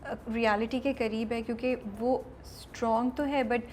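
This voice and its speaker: A woman's voice: on the high side, fairly even intonation, a little slow, darkish tone, slight background noise. A woman hosting an interview, chatty and switching often between Urdu and English. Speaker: interviewer, magazine host. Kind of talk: casual interview chat.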